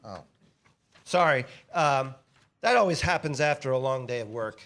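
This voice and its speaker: A man's voice: mid-range voice, animated, normal speed, fairly bright tone. A man playing a goofy, dim, eager sidekick in a staged comedy reading, earnest and given to stammering and bellowing. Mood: sheepish, earnest. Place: live staged reading in a church.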